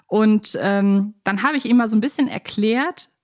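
A woman's voice: mid-range voice, normal speed. A woman hosting a podcast, talking casually in a chatty, thoughtful way as she explains her views on children's audio dramas. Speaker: podcast host.

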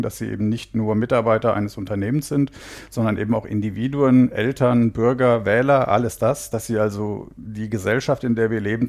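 A man's voice: medium pitch, gravelly, darkish tone. A man from Hesse, a guest engineer, answering interview questions in a thoughtful way and laughing easily. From Hesse, Germany.

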